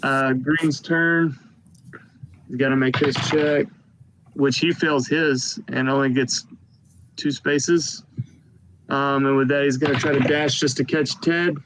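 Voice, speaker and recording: A man narrating a tabletop game as game master, calling turns and dice rolls in a steady, matter-of-fact way. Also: medium pitch, slow pace, long pauses, noisy background.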